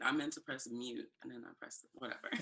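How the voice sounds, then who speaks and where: This is a woman's voice. She has an American accent. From US West Coast, Compton, Los Angeles. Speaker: guest. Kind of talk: interview.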